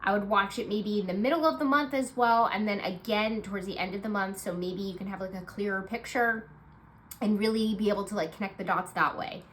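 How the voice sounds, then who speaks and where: A woman's voice: medium pitch, a little fast, fairly bright tone, a little hiss or hum. Congested woman reading tarot cards. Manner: chatty and reassuring, many fillers and asides. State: congested, nasal voice. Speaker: tarot card reader. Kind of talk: casual monthly card reading to camera.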